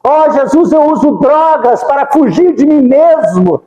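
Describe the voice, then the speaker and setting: A man with a high, mellow voice gives a devotional talk. He speaks in fervent, pleading prayers and keeps repeating the name of Jesus. His voice rings through a roomy hall with a long reverb. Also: lively intonation, a little slow. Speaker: spiritist lecturer. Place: spiritist center hall.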